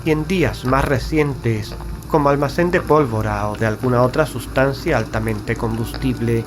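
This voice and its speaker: A man narrating a gothic horror story in the first person, in a measured, grave, literary manner. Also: mid-range voice. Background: background music.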